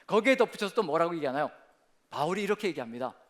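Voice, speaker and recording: A man's voice: on the high side, lively intonation, racing. A male pastor preaching a sermon, asking many rhetorical questions and leading the congregation in reading aloud. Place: church sanctuary.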